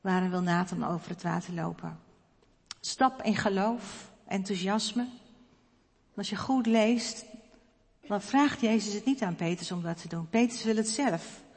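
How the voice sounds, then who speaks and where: A woman preacher speaks in a reflective, personal way and pauses now and then with soft fillers. Her mid-pitched voice has a gravelly texture, and a long reverb fills the church around her. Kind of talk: sermon.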